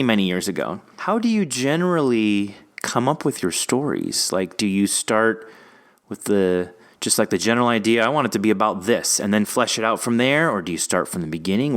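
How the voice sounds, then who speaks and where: A man hosting a casual interview, chatting and putting questions to a guest. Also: mid-range voice. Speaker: podcast host, interviewer.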